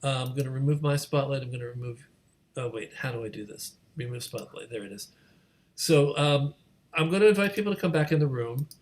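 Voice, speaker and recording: A man hosting a casual online group discussion, talking in a halting way and rephrasing his thoughts as he goes. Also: mid-range voice. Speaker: host of an online community gathering. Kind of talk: casual moderated video-call discussion. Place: remote video call.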